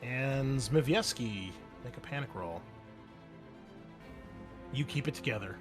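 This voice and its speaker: A man's voice: medium pitch, animated, takes it slowly, over music. A man narrating a tabletop roleplaying game as game master, improvising in a casual, profane way.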